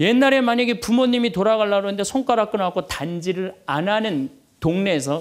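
A man with a high pitch, an animated tone and lively intonation at a fairly quick pace. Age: 60s. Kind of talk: lecture to a live audience. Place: hall. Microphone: handheld.

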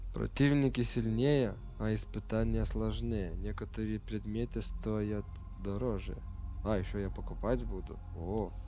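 With audible room echo, a man in a strong non-native accent talks at a fairly slow pace. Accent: strong non-native accent in Russian. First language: not Russian (speaking Russian). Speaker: gaming video creator. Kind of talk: let's play commentary. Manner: halting.

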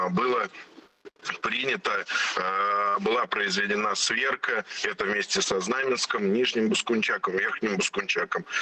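A man's voice swings very widely in pitch. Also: quiet background. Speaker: head of regional housing repair fund. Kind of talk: live interview. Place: car. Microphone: video call.

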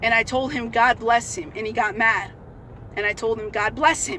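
An animated woman with an American accent and a fairly high pitch talks at a moderate pace with lively intonation, the sound dry with no echo and light background noise behind her. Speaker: street preacher. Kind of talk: street preaching vlog. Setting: outdoors. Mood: indignant, fervent. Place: car. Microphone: phone near.

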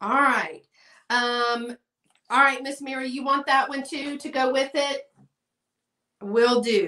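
A woman with a high pitch uses a raised, projected voice and a bright, sharp tone, speaking at a very slow pace with long, frequent pauses, big swings in loudness, ordinary pitch variation and audible room echo over a quiet background. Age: 40s. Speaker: online vintage seller. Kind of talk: live sales stream. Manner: chatty, animated. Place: home room. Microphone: webcam.

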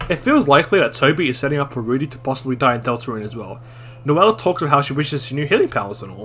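Music plays behind a man talking very fast at a medium pitch. His loudness swings widely while his pitch varies in an ordinary way. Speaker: video game theorist. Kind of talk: game theory video narration.

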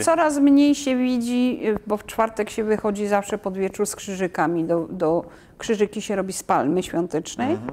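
A woman with a dark, mellow tone, very wide pitch swings and a moderate pace. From Wiśniowa, Lesser Poland, Poland. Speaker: regionalist. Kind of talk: interview answer. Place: studio. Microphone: lapel.

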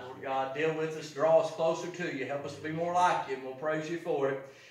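Talking very fast with fairly even intonation, a man is heard with audible room echo and light background noise. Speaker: preacher. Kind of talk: sermon. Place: church. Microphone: camera far.

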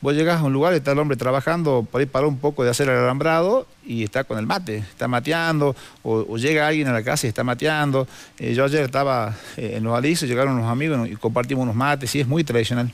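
Speaking very fast, a man shows ordinary pitch variation. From Argentina, Jujuy; Argentina. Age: 40s. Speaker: rodeo announcer and folk reciter; interview guest. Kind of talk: casual interview. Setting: TV studio. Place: studio. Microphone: lapel.

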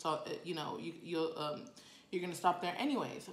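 Amid audible room echo, a woman speaks at a fairly low pitch. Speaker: food vlogger. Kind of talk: casual storytelling while eating. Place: home room. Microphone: phone near.

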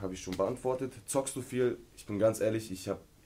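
A man's dark, mellow tone at a moderate pace with ordinary pitch variation. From Russia. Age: 20s. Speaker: rapper. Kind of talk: fan Q&A video. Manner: casual, laughing often. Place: office.

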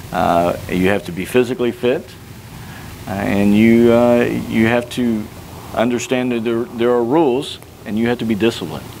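A man with a Kentucky accent, long, frequent pauses and light background noise. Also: ordinary pitch variation, moderate pace. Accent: Kentucky American. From Kentucky, US South. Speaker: army officer. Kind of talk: interview. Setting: military camp. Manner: halting, many fillers and repetitions. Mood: calm, friendly, reflective. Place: open country.

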